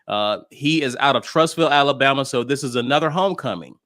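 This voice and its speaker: A man's voice: mid-range voice, fast, fairly bright tone. A man hosting a sports talk show, moving between casual banter and recruiting news in an informal way.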